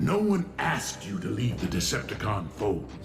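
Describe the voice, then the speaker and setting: Over clear music in the background, a man performs a cartoonish character voice at a moderate pace. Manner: cold, measured, commanding.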